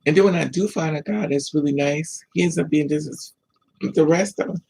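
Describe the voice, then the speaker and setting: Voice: medium pitch, a little fast, vocal fry, slightly rough. A man with an American accent chatting casually and candidly to livestream viewers in a sassy, storytelling manner. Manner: candid, sassy, animated storytelling with mocking quotes. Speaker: livestream host.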